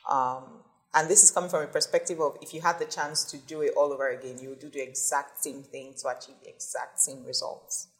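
A woman's voice: sits low, fairly even intonation, a little fast, hardly any pauses, poor audio. A woman interviewer asking conversational, probing questions.

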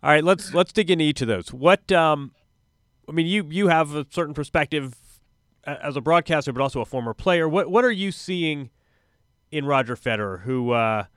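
A man's voice: on the high side, lively intonation, normal speed, fairly bright tone, smooth, no echo, clean studio sound. A man in his forties hosting a tennis podcast, chatty and wry, sounding a little stuffy from a cold. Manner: chatty, self-interrupting, wry asides. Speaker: podcast host.

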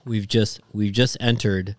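A man's voice: lowish voice, steady tone, measured pace, darkish tone. A man co-hosting a podcast, teasing and joking casually while giving exercise tips. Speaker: podcast co-host.

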